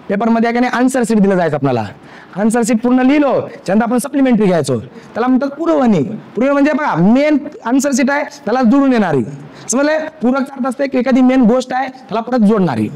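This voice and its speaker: Man, very high pitch, grammar teacher, questions the class, repeats terms. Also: darkish tone. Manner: asks the class questions and answers them himself; repeats key terms and example sentences.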